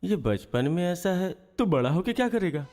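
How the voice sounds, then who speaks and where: A man's voice: high-pitched, big pitch swings, moderate pace, a little mellow, big-room sound. An actor playing a young male prison inmate who keeps politely calling the other man sir. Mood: deferential. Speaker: fellow prisoner. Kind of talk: low-budget film acting.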